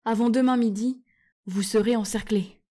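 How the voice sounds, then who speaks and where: An old, kindly male scholar, breathless from hurrying, as a woman reads him. He speaks earnestly and urgently, in a mellow, dark-toned voice. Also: a little high, steady tone, lightly acted. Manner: earnest, hurried.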